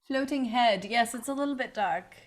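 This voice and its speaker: Higher-voiced woman, chatty and informal. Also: moderate pace. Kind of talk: casual group chat. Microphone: video call.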